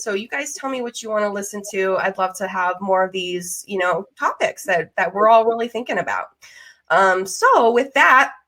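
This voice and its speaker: A woman's voice: medium pitch, a bit bright. Enthusiastic woman hosting a casual podcast. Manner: affirming, enthusiastic, informal. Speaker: podcast host. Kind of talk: casual conversational interview.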